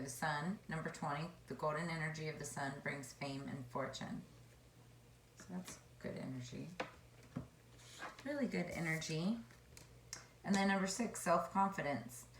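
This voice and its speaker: Low-voiced hoarse woman reading tarot. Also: slight background noise. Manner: chatty and meandering, musing aloud. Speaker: tarot reader. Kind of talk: casual tarot card reading. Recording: echoey room.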